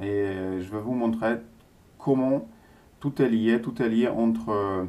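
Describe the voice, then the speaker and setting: A man speaks in a dark, mellow tone at medium pitch. His pace is fairly slow, with ordinary pitch variation. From Poland. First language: Polish (speaking French). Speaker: speed-reading coach and brain trainer. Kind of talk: live stream talk. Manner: halting, many fillers.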